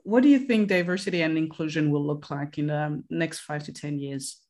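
A woman's voice: deep voice, brisk, darkish tone. Playful, teasing woman interviewer. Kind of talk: casual interview hosting.

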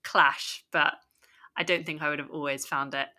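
A woman's voice: sits low, steady tone, moderate pace, sharp tone. A woman with a London accent talking thoughtfully about a book on a podcast, with light laughs. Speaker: podcast co-host. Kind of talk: casual book discussion.

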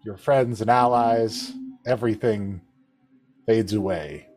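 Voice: mid-range voice, slow, over music. A game master narrating a tabletop role-playing game among players.

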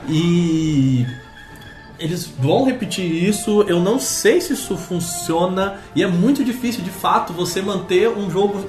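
A man's voice: high-pitched, measured pace, faint music behind. Guy cohosting a podcast, acts out quotes, echoey room. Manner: animated storyteller, acts out quotes. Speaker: podcast co-host. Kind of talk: casual podcast chat.

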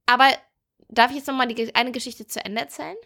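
A woman co-hosting a podcast in casual chat, telling stories in an animated way and laughing often. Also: on the high side, quick pace, gravelly. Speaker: podcast co-host.

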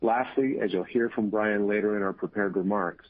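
A man in the role of company executive reads scripted earnings call remarks in a measured, formal way. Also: lowish voice. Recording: tinny, muffled phone conference line.

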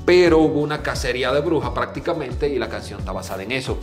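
A man from the Caribbean co-hosting a podcast, telling stories in lively casual chat full of slang, acting out his own reactions. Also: medium pitch, fast, echoey room, faint music behind. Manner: animated, acts out his own shouts when telling stories, heavy slang. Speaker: podcast co-host.

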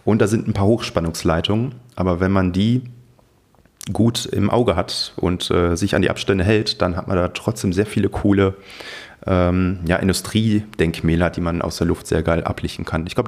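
A fairly low-voiced man talks as a podcast co-host. His delivery is informal and colloquial, like relaxed conversation between two hosts. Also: fairly quick. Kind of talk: casual podcast chat.

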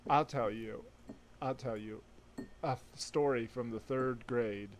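A woman's voice: a bass voice, steady tone, measured pace, slight background noise. A young adult woman co-hosting a podcast, chatting casually and telling stories with frequent laughter. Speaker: podcast co-host. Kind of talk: casual chat.

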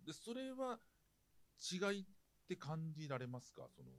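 A man as a podcast guest, talking in a measured way with drawn-out fillers while posing questions. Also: fairly high pitch, big pitch swings, no room sound. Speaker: broadcast writer, podcast guest. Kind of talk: casual chat.

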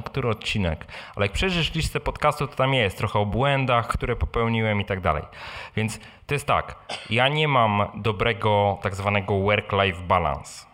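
A man with a fairly low voice hosts a live question-and-answer session. He speaks informally and directly, in colloquial everyday language. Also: fairly bright tone. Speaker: host and blogger answering audience questions. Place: live meeting in front of an audience.

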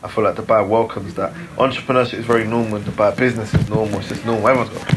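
A man's voice: fairly low pitch, fairly even intonation, very fast, slight background noise, rough recording. Laid-back young man hosting. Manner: laid-back, slangy, lots of fillers. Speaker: podcast host. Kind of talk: casual interview chat.

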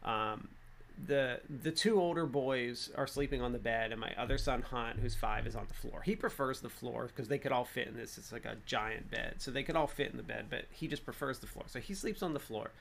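Man, thirties, gravelly, casual rambling vlog talk, many fillers. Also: medium pitch, brisk, fairly bright tone, slight background noise. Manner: chatty, many fillers and restarts. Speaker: vlogger.

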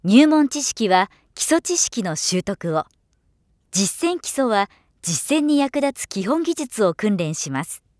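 A woman's voice: mid-range voice, sing-song, darkish tone, no echo. Polished female narrator, dry studio sound. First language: Japanese. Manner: clearly articulated, measured, formal. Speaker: professional voice-over narrator. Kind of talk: polished scripted narration for demos.

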